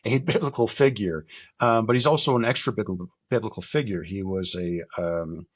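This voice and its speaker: A middle-aged American man from northern Minnesota talking reflectively as an interview guest, candid and halting in his delivery. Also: on the low side. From northern Minnesota, United States. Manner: candid, halting, casually profane. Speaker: podcast guest, military veteran and survival instructor.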